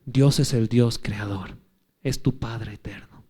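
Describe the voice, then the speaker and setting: An earnest sermon comes from a pastor in his thirties, whose medium-pitched, slightly breathy voice moves slowly between raised, emphatic lines and soft, hushed ones. He tells stories in a conversational way and asks his listeners direct questions.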